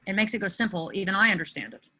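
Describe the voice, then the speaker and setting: A woman playing an awkward, excitable, friendly teenage boy in a virtual table read. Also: medium pitch, very fast. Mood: chatty, friendly.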